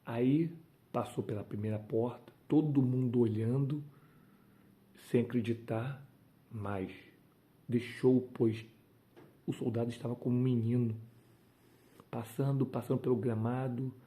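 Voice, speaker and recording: Fervent male preacher, very warm voice. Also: mid-range voice, fairly even intonation, unhurried, pauses often. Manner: fervent, emphatic, with exclamations of praise. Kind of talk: devotional sermon.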